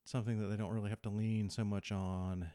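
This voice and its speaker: A man's voice: lowish voice, level tone, warm tone, smooth, dry recording, studio quality. A man, explaining his choices as game master in a voice-over commentary. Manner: explanatory, measured.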